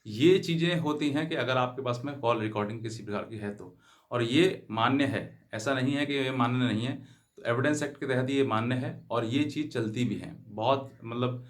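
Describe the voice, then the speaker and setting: A man's voice: mid-range voice, normal speed. A man giving an explanatory legal advice talk to viewers, often rephrasing himself and glossing English terms in Hindi. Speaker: legal advice channel host.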